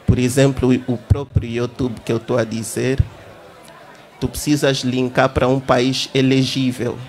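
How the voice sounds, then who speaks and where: A man's voice: medium pitch, a little slow, a little hiss or hum. A man in his thirties with an Angolan Portuguese accent, explaining at length on a tech fair panel stage with a handheld microphone. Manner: explanatory, lively, addresses the audience directly. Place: large indoor event stage.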